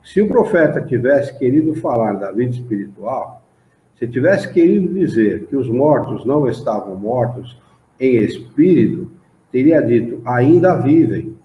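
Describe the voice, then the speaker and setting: Speaking at a measured pace in an animated mid-range voice, this Brazilian-accented man guides a spiritist study group through texts and poses rhetorical questions. The room recording, made in a study association's meeting room, sounds roomy, dull and lo-fi.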